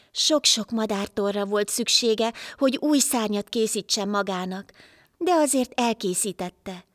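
Female storyteller, steady and measured, dry close recording. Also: a little high, no room sound. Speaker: narrator. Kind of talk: folk tale reading.

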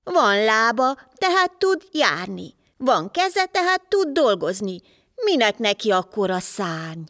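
A woman's voice: fairly high pitch, big pitch swings, fairly bright tone, no echo, clean studio sound. Woman doing a scornful villainous hunter man. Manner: scornful, mocking. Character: cruel mocking male hunter villain.

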